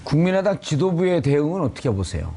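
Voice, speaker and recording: A man's voice: on the high side, big pitch swings, fast, dark tone. A man hosting a political news panel, putting pointed questions to the guests. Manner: probing, poses pointed questions. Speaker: host.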